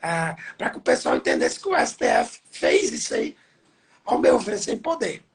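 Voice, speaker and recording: Hoarse guy hosting, husky worn-out voice, earnest and rambly. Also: sits high, huge pitch swings, normal speed. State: hoarse, losing his voice. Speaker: nurse and host. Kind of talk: casual interview talk.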